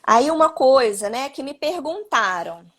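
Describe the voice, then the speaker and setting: Woman, Brazilian accent, high-pitched, explanatory, tag questions, live-stream advice. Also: animated, unhurried, a bit bright. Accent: Brazilian Portuguese. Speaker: psychologist. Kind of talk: live-stream talk giving parenting advice. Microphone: phone or video call.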